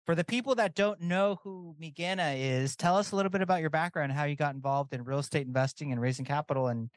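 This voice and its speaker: A male podcast host with a notably high voice. He keeps things upbeat and energetic, welcoming his guest and steering the conversation. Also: fast talker, no echo. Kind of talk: podcast intro and interview.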